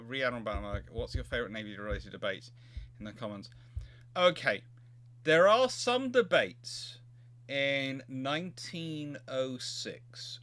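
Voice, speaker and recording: Halting man in casual live chat. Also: medium pitch, pushed and bright. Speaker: host of a naval history Q&A chat show.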